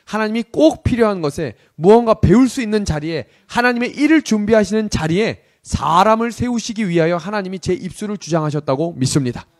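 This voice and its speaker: A man's voice: high-pitched, animated, brisk, few pauses. A man preaching a sermon, telling a personal story and often asking the congregation questions. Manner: storytelling, acts out shouted army commands. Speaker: pastor.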